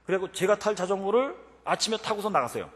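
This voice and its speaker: A middle-aged man preaching at a revival meeting. He moves between fervent, shouted prayer and a chatty, animated anecdote. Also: sits high, fast talker. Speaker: preacher and professor. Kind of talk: revival-meeting sermon with storytelling. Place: church sanctuary. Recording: echoey hall reverb.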